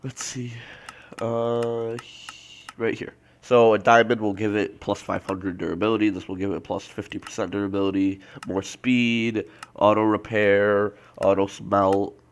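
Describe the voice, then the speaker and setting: A man's voice: on the low side, little pitch movement, measured pace, clean tone. Stuffy-nosed young man narrating gameplay. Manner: rambling, filler-heavy, self-correcting. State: congested, stuffy nose from a cold. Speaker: let's play host. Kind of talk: casual gameplay commentary.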